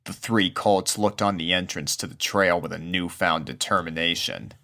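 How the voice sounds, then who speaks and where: A man reading scripted spooky fiction as narrator, in a measured way with dramatic pauses. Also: sits low, steady tone, pushed and bright. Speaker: narrator, fan fiction reader.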